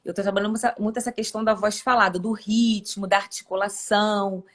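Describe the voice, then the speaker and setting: A woman's voice: mid-range voice, fairly even intonation. A woman from Brazil, a speech therapist, eagerly telling about her patients in a casual chat. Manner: enthusiastic, fast storytelling with fillers.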